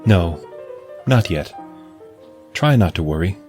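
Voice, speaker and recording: An actor playing a gentle, devoted male companion robot in a radio drama, speaking softly and soothingly. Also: low-pitched, lively intonation, takes it slowly. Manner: soft, soothing and tender. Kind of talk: golden-age style radio play acting. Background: music score.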